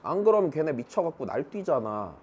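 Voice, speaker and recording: Male tutor in his thirties, blunt, crude classroom banter, lively pitch. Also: fairly quick, husky. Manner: joking, blunt and crude with students. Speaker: math academy teacher.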